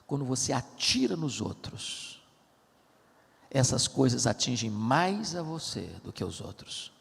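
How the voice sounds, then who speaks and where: A man with a Brazilian Portuguese accent preaching a sermon in a church, with emphatic storytelling and drawn-out stressed words. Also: medium pitch, creaky, husky. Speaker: pastor. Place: large church auditorium. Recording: reverberant church hall.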